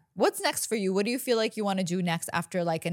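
A woman's voice with ordinary pitch variation, on a very clean recording against a silent background. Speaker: podcast host. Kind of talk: casual interview. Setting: studio.

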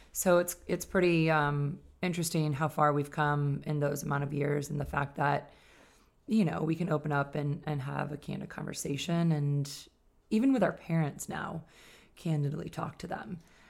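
Moderately paced speech in an upstate New York accent carries fairly even intonation. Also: woman, very deep, low pitch for a woman. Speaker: podcast host. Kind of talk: casual interview conversation.

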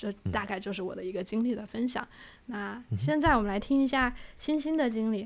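Lively intonation marks this woman's speech. Her pitch is fairly high. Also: fairly quick pace. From China, Wuhan. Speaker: podcast co-host, former English teacher. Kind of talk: casual chat.

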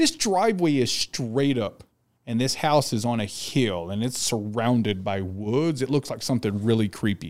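With a strong Southern US accent, a man speaks at a moderate pace in an animated tone with lively intonation, on a very clean recording with a silent background. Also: medium pitch for a man. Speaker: trucking recruiter, former truck driver. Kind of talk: casual chat. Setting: studio.

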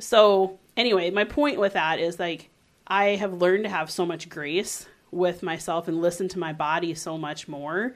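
The recording is very clean with a silent background, carrying an ordinary speaking voice with ordinary pitch variation. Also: woman, fairly low pitch for a woman, moderate pace. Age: 40s. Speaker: podcast co-host, marketing lecturer, entrepreneur. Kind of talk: casual chat. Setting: live stream.

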